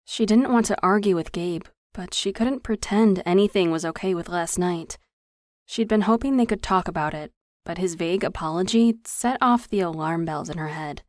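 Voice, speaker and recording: A woman narrating a novel at a measured, even storytelling pace, her voice pitched on the low side. The recording sits close to the mic and is completely dry, with no room sound. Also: no room sound. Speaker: audiobook narrator. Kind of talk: scripted narration.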